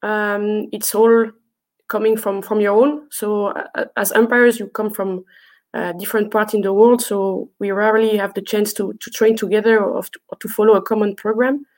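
A woman's voice: mid-range voice, little pitch movement, moderate pace, a little mellow. Belgian woman with a mid-range voice. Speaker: interview guest, field hockey umpire. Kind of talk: conversational interview answers.

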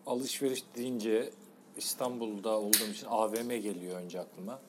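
A man's voice: lowish voice, fairly even intonation, moderate pace. A man co-hosting a podcast, chatting casually with a friend in a playful, mock-serious, colloquial way. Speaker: podcast co-host. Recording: faint background noise, room ambience.

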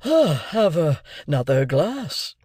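A man reading aloud and voicing a pompous, stout older gentleman who drawls slowly and sounds pleased with himself. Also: fairly high pitch, very animated, breathy edge, dry recording, clean studio sound, exaggerated voice. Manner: slow, drawling, self-satisfied.

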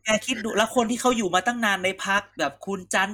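Brief: male co-host, high bright voice, teasing rough banter. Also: fairly even intonation, fast talker. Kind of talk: casual political chat.

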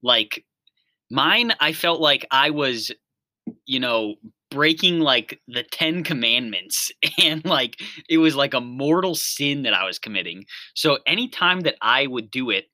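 Easygoing mid-twenties male co-host, very bright voice, dry booth sound. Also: medium pitch, expressive, a little slow, no echo. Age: 20s. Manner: laughs often, easygoing. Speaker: podcast co-host. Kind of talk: casual chat.

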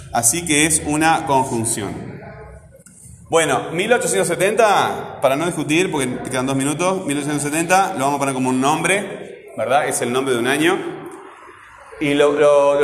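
A man with a Rioplatense Spanish accent teaching a grammar class, emphatic, repeating his points and checking in with "right?". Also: a little high. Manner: emphatic, repeats words, keeps asking "right?". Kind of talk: classroom lecture. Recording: echoey room with long reverb, faint noise.

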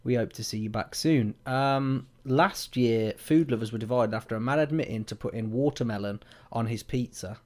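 A man's voice: mid-range voice, normal speed, few pauses, darkish tone. A man hosting a casual, rambling chat, joking as he reads out odd news stories. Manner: jokey, rambling, restarts sentences. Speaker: co-host.

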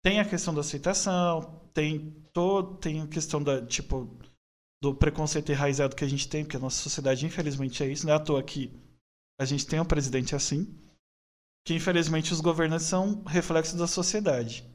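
Earnest young São man, slightly high. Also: fairly quick. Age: 20s. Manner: earnest, opinionated, rambling with restarts. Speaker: podcast guest. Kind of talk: casual podcast conversation.

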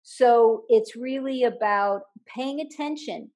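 Animated woman telling stories, slightly high voice. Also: slow, highs cut off. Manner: animated, laughs while telling anecdotes; repeats words when thinking aloud. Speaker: author and guest. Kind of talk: storytelling interview talk.

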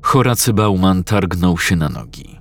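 A man narrating a horror story in a slow, measured, scripted reading. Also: low-pitched, lively intonation.

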